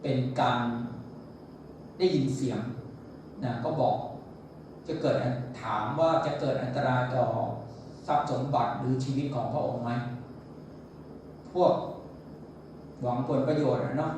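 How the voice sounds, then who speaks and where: A man's voice: measured pace, long pauses, darkish tone. Male monk, storytelling sermon, echoey hall, distant mic, faint hiss. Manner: storytelling, quotes figures with shifts in pitch. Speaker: Buddhist monk.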